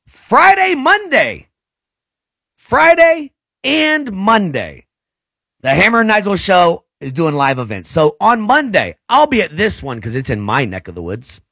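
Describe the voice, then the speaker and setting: Playful forties male co-host, gravelly, lively delivery, dry close sound. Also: high voice, unhurried, no room sound. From United States. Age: 40s. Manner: playful, joking. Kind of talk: casual radio chat. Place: radio studio.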